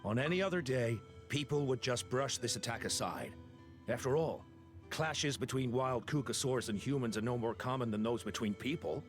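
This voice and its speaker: A man's voice: medium pitch, moderate pace, faint music behind, lightly acted. A man playing a grave, dignified tribal chief in a video game. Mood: grave, concerned. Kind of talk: video game character dialogue.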